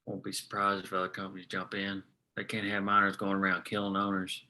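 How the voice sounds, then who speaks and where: A man playing a tough, profane small-town lawman in a drama table read, speaking in terse, measured lines. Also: low-pitched, completely flat delivery, bright, forceful tone, heavily acted. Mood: guarded.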